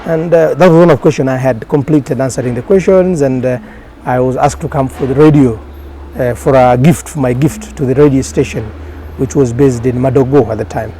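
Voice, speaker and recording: A Kenyan journalist who grew up in Garissa and speaks Somali as his first language tells his career story as a guest in a casual interview, full of fillers and restarts. His mid-range voice is brisk and warm. The audio is poor, with a little hiss or hum.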